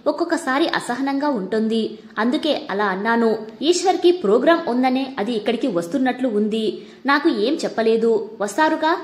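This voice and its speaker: A woman voicing a worried, withdrawn middle-aged wife in a read-aloud story, speaking softly and sorrowfully. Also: fairly high pitch, lively intonation, normal speed, close to an everyday voice. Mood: apologetic. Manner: soft, sorrowful.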